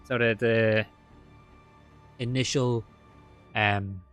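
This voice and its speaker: A man narrating as game master, talking in a halting way full of fillers and restarts. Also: medium pitch, vocal fry, a bit bright, faint music behind.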